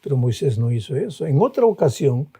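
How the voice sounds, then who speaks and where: A man preaching a sermon as a pastor, impassioned, with high emphatic peaks and a husky voice. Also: very animated, a little fast, dark tone.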